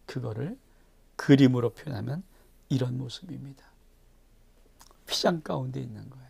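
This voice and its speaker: A male pastor reading and preaching through a Bible chapter. He keeps asking the congregation questions and swings from loud bursts to near-whispers. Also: mid-range voice, moderate pace, gravelly, breathy edge.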